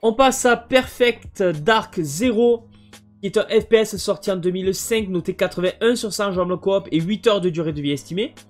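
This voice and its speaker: A man's voice: high-pitched, quick pace, hardly any pauses, a little mellow, faint music behind. A man casually presenting his video game collection, hesitant and full of fillers. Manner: hesitant, many fillers and restarts.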